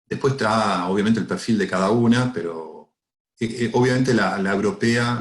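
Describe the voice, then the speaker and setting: Fairly even intonation runs through this man's speech. He keeps a moderate pace. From Argentina. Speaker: cybersecurity company director. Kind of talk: webinar Q&A answers. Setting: online webinar. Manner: halting, many fillers.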